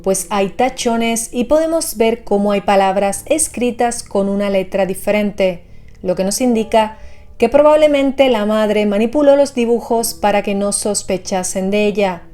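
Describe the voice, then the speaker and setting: A woman reads scripted narration for horror storytelling in a measured, explanatory manner. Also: medium pitch, dark tone. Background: background music.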